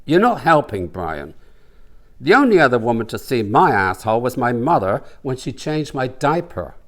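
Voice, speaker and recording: An indignant, humiliated gay man from a comic audiobook, acted out by a male reader. He is sarcastic and melodramatic, with pitch leaping and dropping as he complains. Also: very animated, normal speed, close to an everyday voice. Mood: exasperated.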